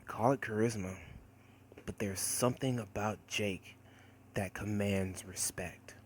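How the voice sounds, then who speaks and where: A man voicing a sarcastic, wisecracking teenage boy who narrates in a wry, conversational monologue with dramatic pauses. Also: fairly low pitch, steady tone, slight background noise, natural voice. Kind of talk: first-person character monologue, voice acting demo.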